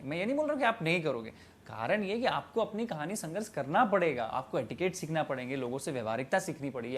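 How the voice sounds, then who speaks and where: A young man in his twenties giving emphatic, preachy interview answers about starting a tea stall business, dropping in English phrases. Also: fairly high pitch. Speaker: guest, tea stall entrepreneur.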